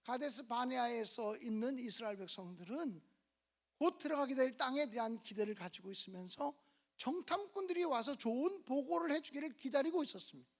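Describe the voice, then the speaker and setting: A woman's voice: animated, brisk. A woman preacher delivering a revival sermon in a church, telling scripture stories dramatically and raising her voice for the big moments. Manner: dramatic, acting out biblical scenes with sudden rises in pitch and loudness. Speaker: guest preacher at a revival meeting.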